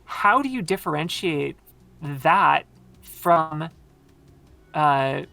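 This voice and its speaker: Woman with a very low, gravelly voice. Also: animated, drawn-out words, bright, forceful tone. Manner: thoughtful, explanatory, many fillers. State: tired voice from long talking. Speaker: podcast guest. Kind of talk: casual conversation.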